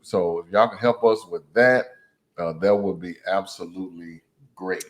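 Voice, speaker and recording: A man's voice: sits low, moderate pace. A man co-hosting a podcast in casual chat, easygoing, laughing often and repeating his phrases. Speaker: podcast co-host.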